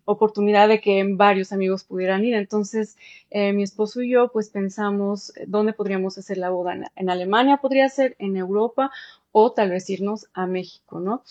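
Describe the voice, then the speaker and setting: A woman's voice: medium pitch, darkish tone, no echo. A woman from Germany, an interview guest on a remote call, chatting casually and enthusiastically about her own experience in slightly dull audio. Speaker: interview guest, former bride. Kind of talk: casual conversational storytelling.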